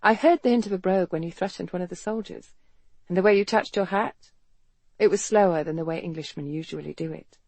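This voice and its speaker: A woman puts on a proud, independent young Victorian physician who answers crisply and keeps her guard up. Her voice sits a touch low, recorded close and dry, storybook audiobook style. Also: fairly quick, a little mellow, no room sound.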